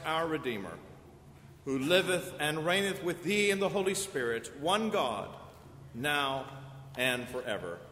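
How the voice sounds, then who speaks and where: Priest guy intoning prayers, a bit high voice, long cathedral echo, faint hiss behind. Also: bright, forceful tone. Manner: solemn, measured, intoning. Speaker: priest leading a church service. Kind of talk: formal liturgical prayer and reading. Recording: long church reverb, faint room hiss.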